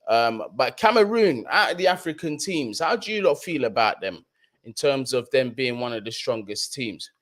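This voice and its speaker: A man's voice: medium pitch, lively intonation, normal speed, a bit bright. A young man from London with a London accent, hosting a live football stream in slangy, chatty talk and often repeating his points. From London, England. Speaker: football channel host. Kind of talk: casual live-stream chat.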